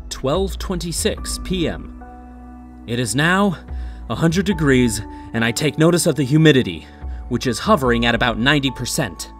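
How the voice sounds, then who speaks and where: Male narrator, theatrical and mock-serious, lively swooping intonation for scripted comedy, light music underneath. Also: medium pitch. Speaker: humorous reader of an online classified ad. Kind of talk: dramatic reading, scripted comic narration.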